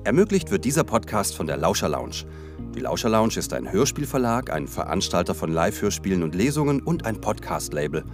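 Lively low-voiced man reading an outro. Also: brisk. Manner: lively, upbeat announcing. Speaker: podcast co-host. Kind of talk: scripted podcast outro. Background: music.

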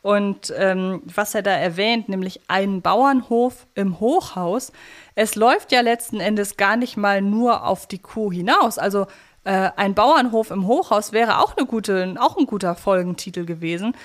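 A woman's voice: mid-range voice, measured pace. Wry woman co-hosting a casual podcast. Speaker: podcast co-host. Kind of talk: casual chat reviewing an audio drama.

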